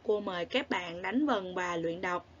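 Slow, gentle woman teacher with a southern Vietnamese accent. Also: fairly low pitch, lo-fi sound. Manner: clear, drawn-out spelling aloud, gentle questions and praise. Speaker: primary school teacher. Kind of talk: slow recorded lesson for young children.

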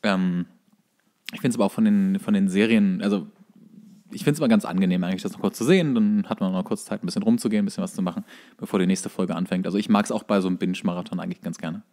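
A male podcast co-host with a slightly low voice chats casually. He talks quickly and colloquially, explaining things as he goes. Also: fairly even intonation, warm tone. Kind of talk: casual chat about series.

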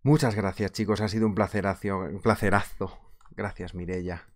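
Man, thirties, Spain Spanish accent, chatty online teacher, animated, webcam in small office. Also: low voice, moderate pace. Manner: chatty and animated, laughing often, gesturing with hands. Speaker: trading instructor. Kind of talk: casual live webinar teaching.

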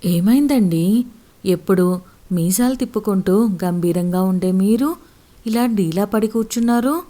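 A woman's voice: mid-range voice, unhurried, lightly acted. Woman voicing an anxious devoted village wife. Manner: pleading, anxious, gentle. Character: worried devoted middle-aged village wife.

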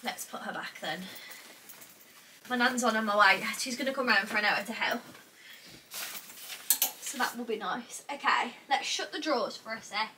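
Sorting clothes in a small, cluttered bedroom, a young English woman with a British accent thinks aloud in a chatty vlog, peppering her speech with "like". Her fairly high voice is slightly congested from a cold and moves at a moderate pace with long pauses. The camera sits across the room, so the mic is distant and there's faint noise.

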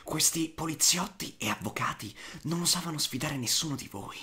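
A mocking, theatrical clown villain in a film dub. His delivery is halting and taunting, with very animated pitch that swoops and then drops into menacing whispers. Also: slight background noise. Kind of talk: amateur film dubbing in Italian.

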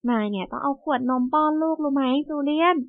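A woman's voice: high-pitched, quick pace, gravelly. A woman voicing a fussy young mother who nags and bosses her partner. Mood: nagging. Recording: tinny phone-like sound.

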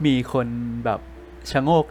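A man's voice: takes it slowly, darkish tone, soft background music. A man casually telling a ghost story for a podcast, chatting like a friend with loose slang.

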